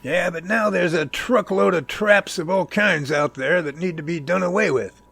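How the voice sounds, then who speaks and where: A man playing a folksy, excitable professor who leads a search team in an amateur audio drama, with theatrical, old-fashioned phrasing. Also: high voice, moderate pace, gravelly. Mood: friendly, explaining.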